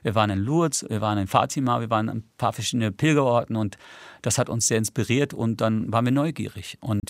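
A man's voice: on the low side, quick pace, no room sound. A man whose first language is English, a musician guest in a radio studio interview, talking reflectively and rambling with many tag questions.

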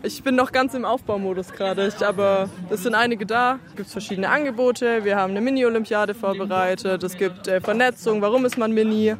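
A woman's voice: medium pitch, fairly quick, few pauses. A young woman organizing a youth event, answering an interview outdoors in an upbeat, easygoing way. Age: young adult. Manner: upbeat, laughs easily.

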